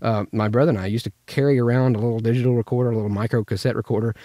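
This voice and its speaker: A man from Memphis teaches in a casual, anecdotal way, like a working voice actor talking to students. His pitch is average and the recording is close and dry. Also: steady tone, very fast, dark tone, no echo. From Memphis, United States. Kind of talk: casual instructional chat.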